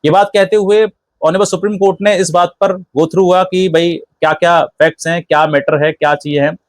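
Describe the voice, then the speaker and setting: High-voiced man explaining the law. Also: steady tone, normal speed, no echo. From India. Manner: explanatory, repetitive rephrasing, mixes English legal terms into Hindi. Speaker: legal advice channel host. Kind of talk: informal legal explainer to viewers.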